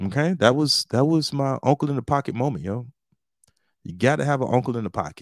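The delivery has an animated tone and lively intonation on a very clean recording with a silent background. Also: man, dry, close sound with no echo. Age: 40s. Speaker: podcast host. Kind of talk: casual solo talk. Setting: recording alone at night.

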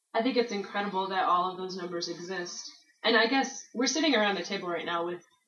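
A woman with an American accent, medium pitch, ordinary pitch variation, a very fast pace and audible room echo. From Michigan. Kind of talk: casual chat.

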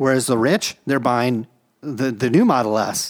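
A man talks at a moderate speed in a very clean recording where the background is silent. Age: 30s. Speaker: sports card podcast host. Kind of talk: solo podcast monologue.

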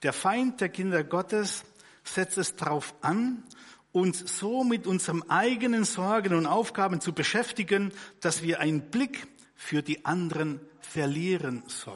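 A man speaks at a high pitch and a fairly slow pace. His intonation is lively. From Spain, small village. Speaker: guest preacher. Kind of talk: sermon. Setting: church service. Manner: hesitant, many fillers.

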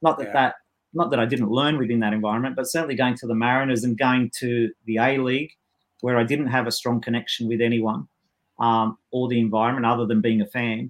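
A man's very fast speech in an Australian accent, medium in pitch, with fairly even intonation. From Sydney, Australia. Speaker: football coach. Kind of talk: interview.

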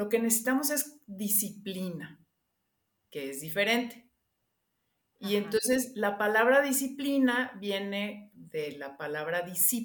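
Somewhat breathy and fairly slow, a woman speaks at a medium pitch with lively intonation and big swings in loudness. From Mexico, raised by English mother and French father. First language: English (speaking Spanish). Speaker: nutritionist and eating behaviour researcher. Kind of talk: casual interview chat. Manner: halting, many false starts.

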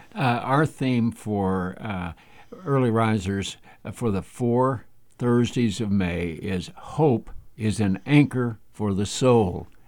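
A man with an American accent speaks at a very slow pace, his pitch varying in an ordinary way. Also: medium pitch for a man, very clean recording, silent background. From Oklahoma and Texas. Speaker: community event organizer. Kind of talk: radio interview. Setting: studio. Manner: hesitant, many fillers.

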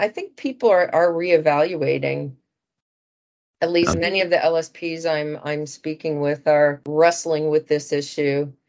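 Speaking in a Midwestern accent at a moderate pace, a woman with a very deep, low pitch keeps her intonation fairly even. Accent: American Midwest. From US Midwest, Dayton, Ohio. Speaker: localization sales consultant. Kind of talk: interview.

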